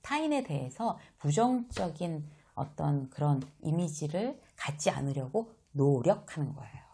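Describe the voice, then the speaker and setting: A middle-aged woman giving a casual lecture on life and work, lively and exclamatory, acting out what people say. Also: low voice, measured pace, breathy edge. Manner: lively, exclamatory, acts out quoted dialogue.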